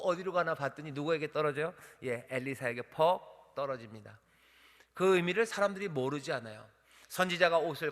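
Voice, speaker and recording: A man preaches to his congregation with a bright, ringing tone, somewhat high for a man. He throws questions to his listeners and dramatizes quoted lines. His voice carries a long reverb from the church sanctuary. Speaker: pastor. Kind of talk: sermon.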